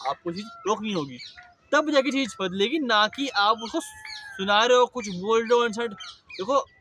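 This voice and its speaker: Man, casual motivational talk, earnest, bright sharp tone, mixes in English words. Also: very high-pitched, measured pace, slight background noise. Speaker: speaker giving life advice.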